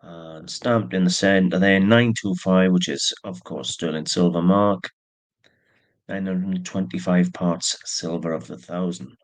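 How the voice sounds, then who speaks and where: Deep-voiced man talking through a jewelry haul. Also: steady tone, unhurried. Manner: chatty, plain, with fillers and asides. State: stuffy with allergies, yawning. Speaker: antique jewelry seller. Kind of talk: casual show-and-tell narration.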